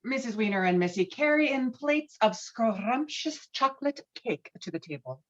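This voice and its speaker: A woman's voice: a little high, expressive, normal speed, lo-fi sound. A woman reading screenplay stage directions as scripted narration in a virtual table read.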